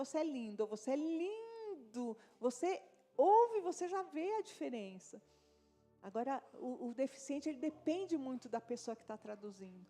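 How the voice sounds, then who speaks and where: A Brazilian woman pastor preaching in a church, her voice sitting fairly high. She talks to the congregation like a chat, with constant tag questions and asides. Soft music plays underneath. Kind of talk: sermon. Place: church service.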